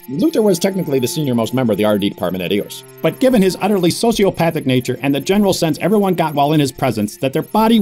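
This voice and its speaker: An actor playing a wry, squeamish middle-aged corporate boss, narrating an audio drama in wordy, pompous style. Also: male voice, on the high side, darkish tone.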